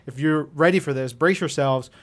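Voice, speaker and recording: A man with a slightly high voice talks as a podcast co-host. His delivery is casual and chatty, with an enthusiastic, jokey and informal manner. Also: a little fast. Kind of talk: casual chatty event preview.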